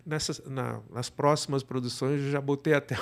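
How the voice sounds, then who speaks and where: A man's voice: mid-range voice, fairly even intonation, normal speed, creaky, smooth. A man with a Brazilian accent explaining things in a casual interview, often checking in with short tag questions. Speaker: interview guest, audio drama producer.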